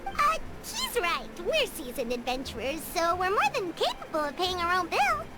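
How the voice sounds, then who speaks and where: Squeaky, very high childlike fairy companion. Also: female voice, huge pitch swings, normal speed, very noisy, exaggerated voice. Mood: earnest. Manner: refers to self in third person. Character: tiny floating fairy companion, childlike, earnest, speaks in third person. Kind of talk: anime video game voice acting.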